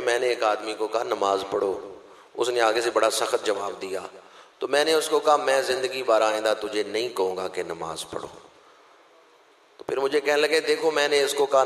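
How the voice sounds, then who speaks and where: A man with a Pakistani Punjabi accent preaches a sermon in a voice of ordinary pitch. He swings from loud, impassioned outbursts back down to calm explanation. His voice rings with a long reverb that fills the hall. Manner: impassioned, rising to loud outbursts then dropping to quiet explanation.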